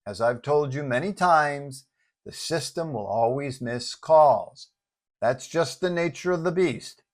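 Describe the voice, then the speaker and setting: A man voicing a calm, dry right-hand man to a hero, deadpan and slyly dismissive. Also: a little high, a little slow. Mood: calm, patient.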